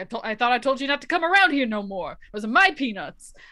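A woman's put-on character voice, gruff, raised and projected, high in pitch, with very wide pitch swings at a fairly quick pace. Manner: tough, gruff, territorial.

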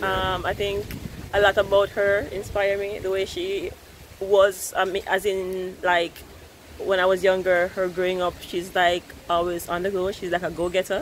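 A woman at a moderate pace, dry sound with no echo and light background noise. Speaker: daughter of the birthday celebrant. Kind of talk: interview and short speech. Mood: warm, reflective. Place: garden. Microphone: phone near.

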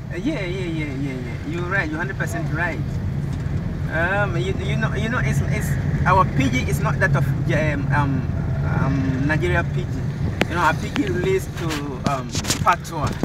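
A man with a Ghanaian accent at a fairly slow pace, with long, frequent pauses, a dry sound with no echo and loud background noise. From northern Ghana. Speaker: rideshare driver. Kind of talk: casual interview. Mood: warm, heartfelt. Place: car. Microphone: phone near.

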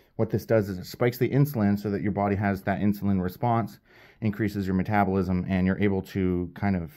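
Against a quiet background, a man with a fairly low pitch talks at a fairly quick pace in a normal speaking voice with fairly even intonation. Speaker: powerlifter vlogger. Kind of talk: casual vlog chat. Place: kitchen. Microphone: phone near.

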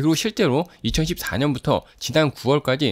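Speaking at a very slow pace, a man uses a fairly high pitch. The recording is very clean and dry, close with no echo and a silent background. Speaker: YouTube news commentator. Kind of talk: news commentary.

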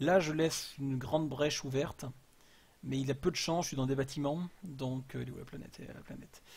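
A somewhat breathy man at a very fast pace, with fairly even intonation. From France, Corrèze (Tulle); France. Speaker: gaming video creator. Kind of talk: game tutorial and commentary. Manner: hesitant, many fillers. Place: home room. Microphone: headset.

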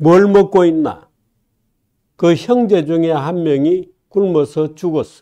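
Against a quiet background, a man talks at a very slow pace with long, frequent pauses. His voice is high-pitched, with a dark, mellow tone. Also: ordinary pitch variation. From South Korea. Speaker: journalist and commentator; journalist, commentator. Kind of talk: film commentary monologue. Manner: hesitant, many fillers. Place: studio. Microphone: lapel.

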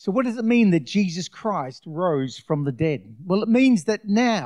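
A man talks at a fairly slow pace in a high voice. His pitch swings very widely. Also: quiet background. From Western Australia. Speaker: pastor. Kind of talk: sermon delivered to a congregation. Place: church. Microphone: handheld.

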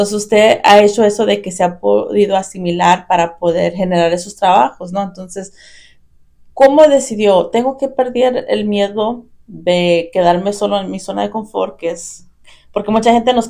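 Against a quiet background, a woman with a dark, mellow tone talks at a moderate pace and medium pitch, with ordinary pitch variation. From US Midwest, Kansas City. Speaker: podcast host. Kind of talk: interview. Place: studio. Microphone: studio mic.

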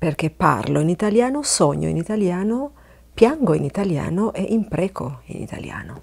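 Using vocal fry, a woman with a fairly low pitch speaks at a moderate pace, her voice making very wide pitch swings and big swings in loudness. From Albania. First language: Albanian (speaking Italian). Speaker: writer. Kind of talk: video blog monologue. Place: studio. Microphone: lapel.

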